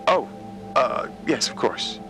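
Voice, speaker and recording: An actor playing a flustered, eager and deferential space explorer who stammers and rambles in a podcast drama. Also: male voice, slow pace, music in the background, close to an everyday voice. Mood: awkward, flustered. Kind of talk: fiction podcast character acting.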